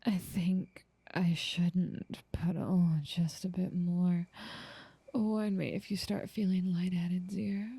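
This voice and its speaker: A woman playing a doting, possessive noble vampire in an ASMR roleplay, speaking softly and coaxingly in genteel words, often slipping into a whisper, close to the mic. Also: fairly low pitch, little pitch movement, a little hiss or hum. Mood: doting, indulgent. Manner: slow, soothing, coaxing, genteel wording. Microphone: close, dry microphone.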